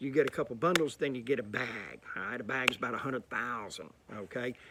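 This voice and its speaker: A loud male voice at medium pitch with ordinary pitch variation and a fairly quick pace. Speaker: real estate investor and motivational vlogger. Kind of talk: motivational talk to camera. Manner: animated.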